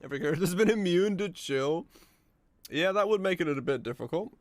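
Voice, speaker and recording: A hoarse man with a raspy, fading voice chatting casually while streaming a game, rambling and halting, swearing now and then. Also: high voice, expressive, dry recording. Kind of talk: casual gaming stream commentary.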